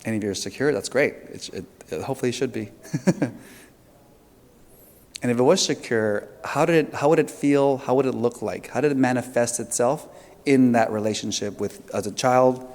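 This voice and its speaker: A man's voice: medium pitch, normal speed, darkish tone. Conversational man presenting in a hall. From Indonesia. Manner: conversational, frequent fillers and restarts. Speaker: seminar presenter. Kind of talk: conference seminar talk with audience questions.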